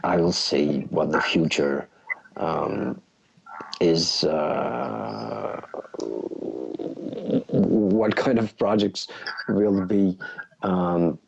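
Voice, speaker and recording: A middle-aged man speaks slowly and haltingly in a fairly low voice, often restarting as he searches for words. His voice comes through a muffled remote call with a faint hiss underneath. He sounds like a guest answering interview questions. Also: vocal fry. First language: Albanian.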